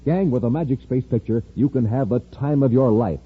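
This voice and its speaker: A man's voice: mid-range voice, a little fast, breathy edge, narrow, tinny audio. A male announcer in a 1950s radio serial, narrating and selling cereal with showy emphasis. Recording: hissy old radio transcription.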